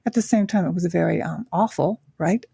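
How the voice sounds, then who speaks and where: Low gravelly older woman, reflective. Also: mellow, dry recording, clean studio sound. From Japan. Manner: reflective, with frequent pauses and fillers. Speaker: guest. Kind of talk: casual interview chat.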